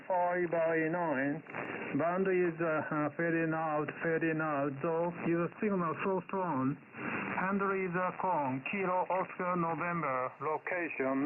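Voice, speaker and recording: Man on a ham radio call, over a shortwave receiver, slow halting speech, spells call signs, tinny narrow sound, steady static hiss. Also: fairly high pitch. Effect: heard over a shortwave radio receiver. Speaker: amateur radio operator.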